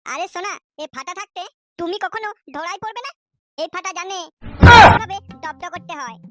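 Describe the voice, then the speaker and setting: A woman's voice: very high-pitched, expressive, brisk, over music. A woman voicing a cocky young male lover in a comic cartoon, boastful, cajoling and scheming. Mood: boastful, sweet-talking.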